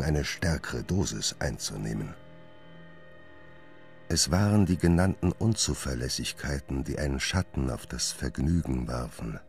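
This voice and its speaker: Radio drama doctor: bottomless bass, grave, tormented, formal confession over music. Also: male voice, heavily acted. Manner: measured, formal, literary. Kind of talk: dramatic first-person monologue in German radio play.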